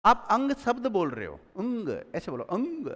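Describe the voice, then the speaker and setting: A man's voice: high voice, wildly swooping pitch, normal speed, fairly bright tone, big-room sound. A man teaching a live grammar class, drilling students with repeated questions and calling on them by name.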